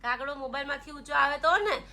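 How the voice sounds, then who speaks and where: A woman's voice: sits high, fast talker, sharp tone. A mother in her thirties chatting to camera in a casual family vlog, scolding and teasing her sons. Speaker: mother and vlogger.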